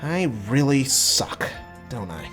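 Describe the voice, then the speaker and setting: A man's voice: mid-range voice, big pitch swings, slow, fairly bright tone, soft background music. A man voicing a sulky, self-doubting teenage schoolboy in a story, muttering and hesitant. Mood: dejected.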